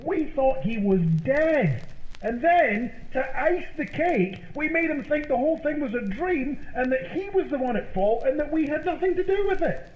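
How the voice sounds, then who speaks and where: A man acting a grumbling prankster sidekick in an old-time radio comedy, with a theatrical, drawn-out delivery. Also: very high-pitched, expressive. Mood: uneasy. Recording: tinny, echoey, noisy old-time radio sound.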